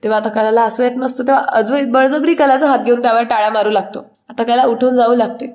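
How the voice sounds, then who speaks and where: A woman tells the events of a TV serial episode in casual, chatty narration. She links quotes with the same repeated lead-in. Her voice sits a little high. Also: fairly even intonation, fast talker, a little mellow. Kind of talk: casual story recap narration.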